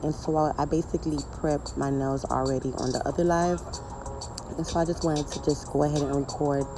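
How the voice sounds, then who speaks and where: A woman's voice: sits low, low-quality recording. A woman nail artist chatting casually over her tutorial, rambling and correcting herself, and keeping her voice down. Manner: keeps her voice down for the neighbors.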